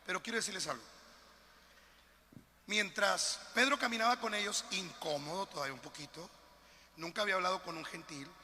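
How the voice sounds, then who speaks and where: A man preaching a sermon as pastor, with a northern Mexican accent, passionate and swinging between quiet asides and shouted appeals. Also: sits high, fairly quick, pauses often, in a large hall, a little hiss or hum.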